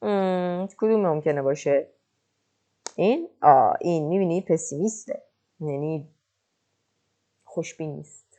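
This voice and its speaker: A woman teaching French, patiently explaining and slowly reading French example sentences. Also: sits low, mellow. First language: Persian. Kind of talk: online language lesson.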